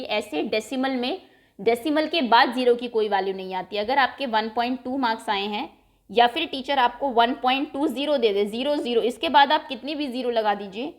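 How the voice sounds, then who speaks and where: A woman maths teacher explaining a lesson step by step, patient and clear, often checking in with the class. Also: fairly high pitch.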